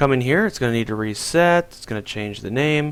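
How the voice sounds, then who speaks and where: A man with an ordinary speaking voice, medium pitch and a moderate pace. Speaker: programming tutorial creator. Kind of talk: screen-recorded coding tutorial. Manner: casual, with many filler words.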